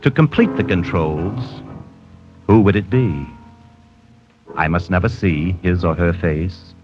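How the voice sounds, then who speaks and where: An actor playing a cold, precise male killer narrating his diary in a 1940s radio drama, calm, clipped and detached. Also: sits low, slow pace. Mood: cold, clinical. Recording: dull old radio broadcast with music.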